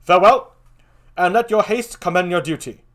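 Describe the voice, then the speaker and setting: A man's voice: high-pitched, moderate pace, a bit bright, voice pushed up. A man voicing a commanding, genial king in a declamatory theatrical reading of Shakespeare. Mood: regal, commanding.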